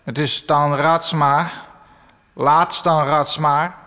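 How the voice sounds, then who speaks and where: A man's voice: on the high side, little pitch movement, slow pace, pushed and bright, smooth. An actor playing a gloomy, self-pitying man who sells ads from a newspaper's basement, speaking in a mournful, passive-aggressive way. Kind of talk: radio comedy acting. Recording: long reverb.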